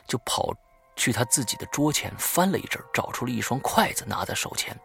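A man's voice: mid-range voice, big pitch swings, brisk, creaky, a bit bright, slight background noise. A man in his thirties telling a spooky first-person ghost story, dropping to a whisper at tense moments. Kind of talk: spoken ghost story narration.

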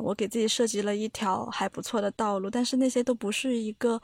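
A woman co-hosting a podcast, telling a story in a measured, hesitant way with frequent fillers. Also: fairly high pitch, darkish tone, dry recording. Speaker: podcast co-host. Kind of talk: casual chat, storytelling.

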